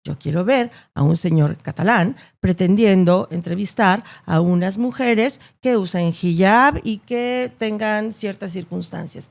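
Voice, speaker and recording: Speaking in a medium-pitched, gravelly, somewhat mellow voice, this interviewed journalist with a Latin American Spanish accent lays out her opinions. She is emphatic and articulate, driving points home through repetition and rhetorical tags.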